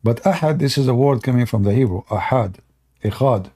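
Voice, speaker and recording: A man's voice: mid-range voice, brisk, mellow. A man from the Middle East with an Arabic accent, a native Arabic speaker, talking unscripted on a live stream as a Christian apologist, with fillers and repetition.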